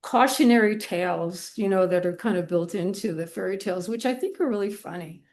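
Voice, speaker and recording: A woman talks as a guest on a podcast. She is conversational and unscripted, letting phrases trail into "you know". Her pitch sits in the middle range. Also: brisk, a little mellow. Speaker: podcast guest, illustrator and art professor. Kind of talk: casual interview chat.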